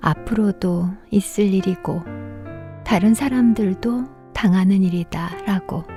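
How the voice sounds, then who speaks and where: Against background music, a woman talks at a very slow pace. Her tone is calm, with ordinary pitch variation. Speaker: singer and TV personality. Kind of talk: reading aloud of inspirational texts. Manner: soft, calm, comforting.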